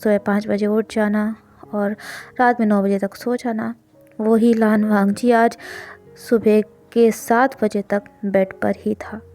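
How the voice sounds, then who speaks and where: A woman narrating a romance story in an expressive, dramatic storytelling way. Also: medium pitch, slow, soft background music.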